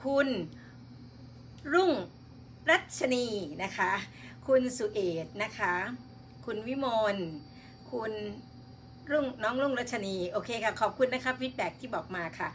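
A woman's voice: a little high, a little slow, fairly bright tone, a little hiss or hum. A woman hosting a live stream in casual chat, politely reading out and greeting her viewers one by one.

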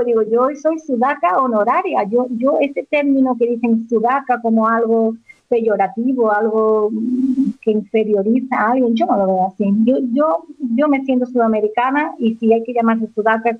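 A woman's voice: fairly high pitch, no room sound. A woman in her forties with an accent from Spain, answering interview questions in a chatty way, often restarting and repeating words. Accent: Spanish from Spain. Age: 40s. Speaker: interview guest. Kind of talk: casual conversational interview. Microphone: phone call. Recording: narrow phone line.

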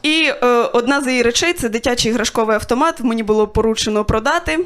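A young woman performing a stand-up set, telling stories in a dry way with quick voiced asides. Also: on the high side, background noise. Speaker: stand-up comedian. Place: stage of a small comedy club.

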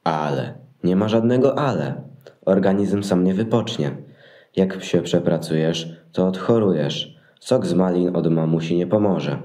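A man's voice: low-pitched, unhurried, dark tone, reverberant. A man playing a lazy, fearful shepherd in a Christmas audio play, grumbling in a colloquial, dragging way. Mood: laid-back, dismissive. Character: lazy, fearful, reluctant shepherd who wants to sleep.

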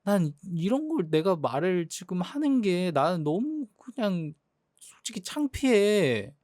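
A man's voice: high voice, very animated, measured pace, a little mellow, no echo, clean studio sound. A young man playing a jealous boyfriend in a role-play drama, sulky and exasperated. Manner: sulky, hurt, exasperated complaining.

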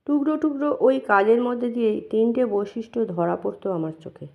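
A woman narrating a first-person memoir in a calm, measured and reflective way. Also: on the high side, vocal fry. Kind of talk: memoir reading. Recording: dull lo-fi recording.

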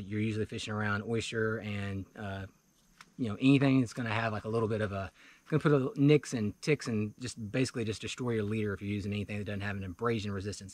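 A man in his forties talking casually to camera in a wooded clearing, walking through his fishing gear with lots of fillers and restarts. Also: fairly low pitch. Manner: relaxed and chatty, many fillers and restarts. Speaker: fly fishing vlogger. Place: outdoors in a wooded clearing beside a pickup truck.

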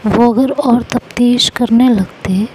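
A woman's voice: a little high, steady tone, slow pace, darkish tone, slight background noise, poor audio. A woman voicing a young college student who lectures her partner in an exasperated tone, in an audio story. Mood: scolding.

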